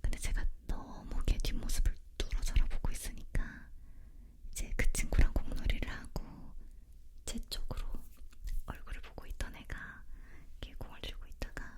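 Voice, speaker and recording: Woman, leaning in to whisper, breathy, unvoiced, ASMR storytelling, close-up mic. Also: moderate pace. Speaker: ASMR creator telling a personal story. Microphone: close-up microphone.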